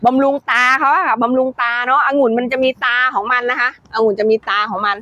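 A woman who owns a grape farm, briskly and confidently explaining how she grows grapes in her greenhouse. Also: sits high, bright, forceful tone, dry recording, muffled recording. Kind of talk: explaining in an interview.

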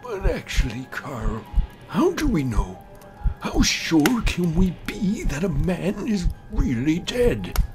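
A man voicing an elderly, insistent and theatrical gentleman doctor in a dramatized horror story. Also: a little high, wildly swooping pitch, takes it slowly, over music, pitched above the performer's own voice, full character voice. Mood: insistent, excited. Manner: emphatic, theatrical, repeats himself. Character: elderly male doctor friend, genial, insistent, argumentative host.

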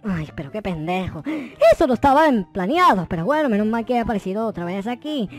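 A man voicing an excitable, mischievous, foul-mouthed young Minecraft noob, exclaiming and muttering to himself as he plays. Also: high-pitched, fast, soft background music. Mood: scheming. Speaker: gaming video host. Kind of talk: roleplay gameplay commentary.

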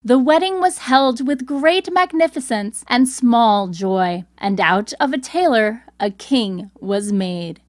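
A woman's voice: fairly high pitch, lively intonation, slow, hardly any pauses, no room sound, studio quality. A woman storyteller reading a scripted fairy tale narration.

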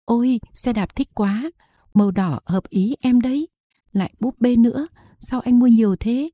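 A woman reading an excited young wife. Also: a little high, normal speed, no room sound, clean studio sound, pitched above the performer's own voice, lightly acted. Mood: delighted. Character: young wife, delighted and chatty.

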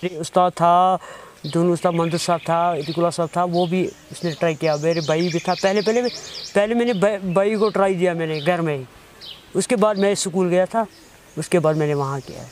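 High-voiced Kashmiri man, halting and earnest. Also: slight background noise. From Kashmir, India. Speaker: interviewee, mobile phone mechanic. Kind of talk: earnest interview answers. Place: outdoors on a lawn beside a wooden house.

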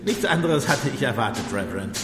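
An actor playing a gentle, shrewd priest-detective in a German radio play, speaking in a musing, deliberate, softly pointed way. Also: male voice, mid-range voice, expressive, music in the background, lightly acted. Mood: thoughtful. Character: gentle, shrewd priest-detective, mild-mannered, quietly probing.

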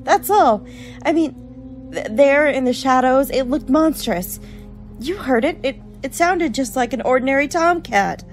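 Woman as a chatty, higher-voiced college girl. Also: lively intonation, a little slow, soft background music. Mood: impatient, dismissive. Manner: chatty, colloquial. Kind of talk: radio horror drama acting.

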